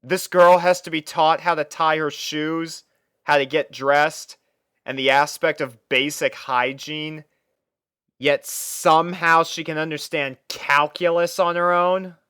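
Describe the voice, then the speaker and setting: A man's voice: fairly high pitch, little pitch movement, takes it slowly, bright, forceful tone, smooth, dry recording, studio quality. A man reading a first-person fan fiction story as narrator, dramatising the character's thoughts.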